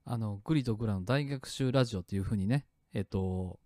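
A man hosting his own show, chatting in a relaxed way about the sound effects he made. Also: fairly low pitch, fairly quick, dry recording, studio quality. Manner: relaxed and chatty, many fillers, starts and stops clips. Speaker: podcast host. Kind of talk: casual solo talk explaining his sound effects. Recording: faint music clips playing behind.

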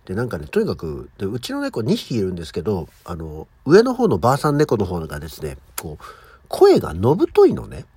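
Lively, husky-voiced middle-aged man hosting solo. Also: brisk, no room sound. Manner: high-energy, animated, chatty storytelling. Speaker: podcast host. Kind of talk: casual solo morning talk.

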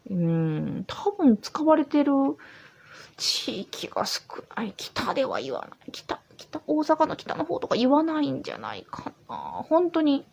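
A woman's voice: high-pitched, big pitch swings, a little slow, creaky, a little mellow, slight background noise. A tipsy woman with a Kansai accent hosts a solo podcast, chatting in an easygoing, rambling way from an old house. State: tipsy from drinking. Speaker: podcast host. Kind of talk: casual solo podcast chat.

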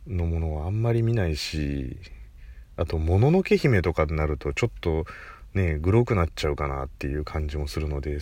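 Animated low-voiced man chatting solo. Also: no room sound. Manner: animated, chatty, laughs at himself. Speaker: podcast host. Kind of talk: casual solo chat.

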